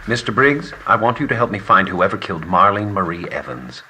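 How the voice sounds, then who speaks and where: An actor playing a courteous, formal and insistent client of a private detective in a noir audio drama. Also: male voice, low voice, animated, fairly quick, bright, forceful tone, exaggerated voice. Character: polite, insistent man hiring a noir detective. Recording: faintly noisy old-tape recording.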